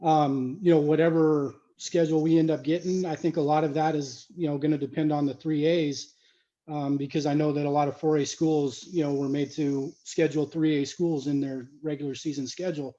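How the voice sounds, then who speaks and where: A man, a high school football coach, speaking over the phone in a casual interview, often pausing with filler words. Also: little pitch movement, mellow. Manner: halting, fills pauses with "you know". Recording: dull lo-fi phone audio.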